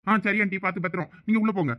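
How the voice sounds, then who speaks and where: Fast-talking man with a Thoothukudi accent. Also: high voice, highs cut off. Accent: Thoothukudi Tamil. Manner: fast, pleading and joking banter. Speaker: comedy skit actor. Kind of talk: village comedy sketch acting.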